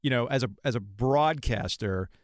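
A man hosting a sports podcast, talking casually and giving his own opinions in an animated, storytelling way. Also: mid-range voice, normal speed, dry recording, clean studio sound. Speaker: podcast host interviewing a guest. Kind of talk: casual sports talk interview.

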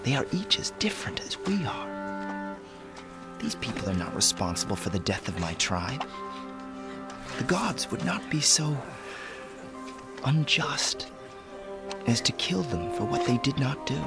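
An actor playing a proud, brooding Native American man in a radio drama, speaking formally and with deliberate intensity. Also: mid-range voice, big pitch swings. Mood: anguished, earnest. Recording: radio play with loud music underneath.

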